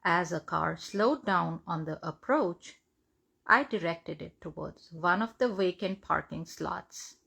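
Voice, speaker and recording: A woman reads a devotional testimony aloud in measured, deliberate phrases. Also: on the low side, vocal fry, a bit bright, breathy edge. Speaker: devotional reader.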